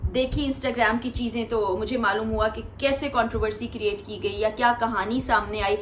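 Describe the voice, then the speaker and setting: A woman with a high-pitched voice and a Pakistani accent hosts a celebrity news recap. She explains things to her viewers and often paraphrases statements. The recording sounds echoey, with some faint noise behind her. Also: fairly even intonation, moderate pace. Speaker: host commenting on celebrity news.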